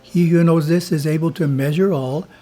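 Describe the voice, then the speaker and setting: A man who is a spiritual teacher reads his editorial in a slow, measured way and chants Om between the passages. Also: on the high side, fairly even intonation, dark tone, soft background music.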